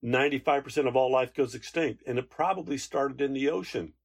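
A man's voice: medium pitch, fairly quick, slightly rough. A man co-hosting a podcast, chatting casually and rambling with many fillers and restarts. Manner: rambling, hesitant, lots of fillers. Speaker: podcast co-host. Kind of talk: casual chat. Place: Alaska.

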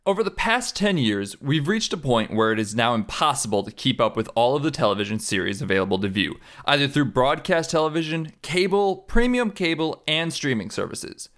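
A man's voice: medium pitch, expressive, a little fast, few pauses, a bit bright. A man narrating a written article as a scripted essay reading.

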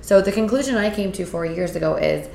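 A woman hosting a solo podcast, hoarse and raspy from a cold, talking in an upbeat, earnest way. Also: fairly low pitch, animated, a little fast, a little mellow, echoey room, a little hiss or hum. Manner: upbeat, earnest, with filler words. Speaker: podcast host. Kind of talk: casual solo podcast talk. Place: indoors in Costa Rica.

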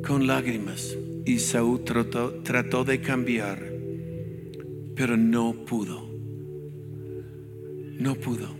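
A man's voice: mid-range voice, fairly even intonation, takes it slowly, long pauses. An older man preaching a sermon as pastor, emphatic and repetitive, in a large church hall. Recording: long hall reverb with faint music.

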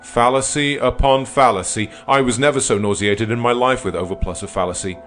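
A man's voice: medium pitch, fairly quick, a bit bright, soft background music, pitched above the performer's own voice, lightly acted. A man voicing a pompous older male lawyer who rants with scornful indignation. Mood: outraged. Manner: indignant, ranting oratory. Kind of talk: audiobook character reading.

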